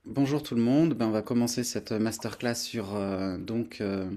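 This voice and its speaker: Low-pitched man leading an online workshop. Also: steady tone, moderate pace, dark tone. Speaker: workshop host and facilitator. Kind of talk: spontaneous presentation to an online group.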